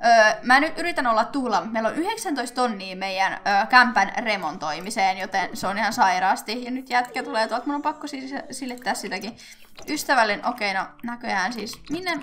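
A young woman with a somewhat high voice chats loosely through her gameplay. She giggles often and speaks straight to the characters on screen. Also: fairly bright tone. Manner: chatty, giggly, talks to her game characters. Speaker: gaming YouTuber. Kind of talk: casual Let's Play commentary.

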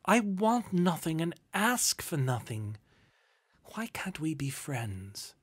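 A man's voice: on the high side, sing-song, slow, a bit bright, husky, heavily acted. A man voicing a cheerful, good-hearted young nephew in a storybook, polite, earnest and a little mischievous. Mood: earnest, pleading.

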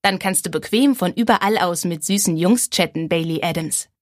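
A woman reading an audiobook, voicing the narrator's excited, chatty young best friend in a brighter, higher voice. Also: normal speed, dry recording, clean studio sound, close to an everyday voice. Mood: eager. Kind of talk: audiobook character voice.

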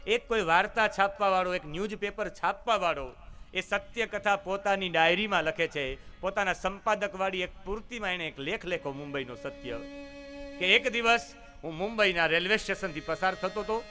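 A man delivering a devotional sermon as a dramatic moral story, his voice sitting a little high. He presses his points with strong emphasis. Steady violin music plays clearly behind him. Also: normal speed. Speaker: religious storyteller.

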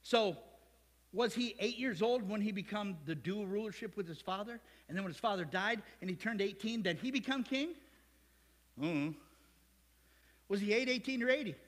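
A man with an American Midwest accent, preaching a sermon as pastor, animated and joking with his congregation. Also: high voice, brisk, long reverb tail. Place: church sanctuary.

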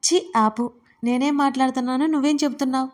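Hungover young woman, cranky and confused, snapping in high sharp bursts, read by a woman narrator. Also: steady tone, fast talker, natural voice. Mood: angry. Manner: complaining, sharp outbursts.

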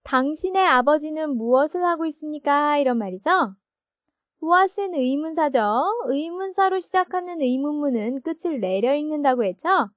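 Casting: high-pitched woman teacher, patient explainer, dry close sound. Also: expressive, normal speed, dry recording. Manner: patient, asks rhetorical check questions. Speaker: English teacher. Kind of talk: explaining a lesson.

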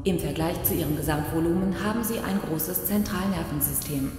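Woman acting a calm machine archivist, huge echo. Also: fairly low pitch, fairly quick, close to an everyday voice. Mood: analytical, calm. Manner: precise, analytical, formal diction. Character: calm, principled machine archivist, moral voice of swarm. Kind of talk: science fiction audio drama acting. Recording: cavernous echo and reverb, music behind.

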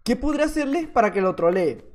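A man's voice: very high voice, very animated, fast talker, slight background noise. A man with a Mexican accent giving playful, teasing gameplay commentary as a gaming YouTuber. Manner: playful, teasing, jokey banter.

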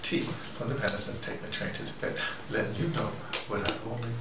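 A man hosting an informal monologue, telling anecdotes in a halting, digressive way and acting out both sides of exchanges. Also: medium pitch, animated. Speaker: host of a recurring spoken dispatch. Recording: noisy, roomy recording, distant from mic.

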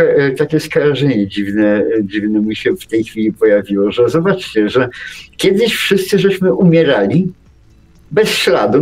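A man co-hosting a radio show in casual chat, musing and halting as he rambles along. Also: a little high, darkish tone, poor audio.

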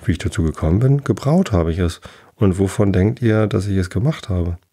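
A man's voice: low-pitched, a little fast, mellow, slightly rough. A man voicing a tiny old male fairy cobbler who is sly, haughty and curt. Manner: curt, dismissive, slightly raised voice.

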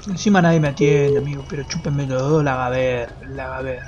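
A man's voice: mid-range voice, steady tone, fairly quick, darkish tone, muffled recording. A young man with a Rioplatense Spanish accent, streaming a roleplay game in a brash, joking, swear-heavy manner. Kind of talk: casual gameplay roleplay stream.

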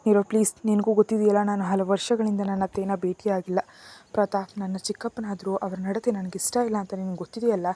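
An earnest, protective young man in a storybook reading, voiced by a woman. He speaks in a pleading way, his voice mellow and soft. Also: medium pitch, flat delivery, quick pace, natural voice.

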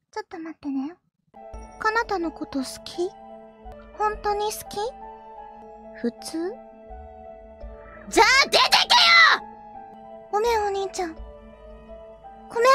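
A woman streamer voicing a clingy, possessive yandere little sister, sweet and doting but turning jealous and menacing, sometimes dropping to a hushed whisper. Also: extremely high pitch, heavily acted. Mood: pouty, needling, then angry outburst. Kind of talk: live-stream character role-play, reacting to chat.

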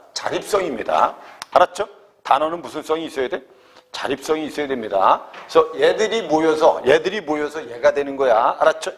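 A middle-aged man teaching a grammar class, constantly checking that students follow with quick tag questions, asking questions and answering them himself, and slowing down to dictate key definitions. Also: on the high side, slight background noise. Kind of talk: classroom lecture.

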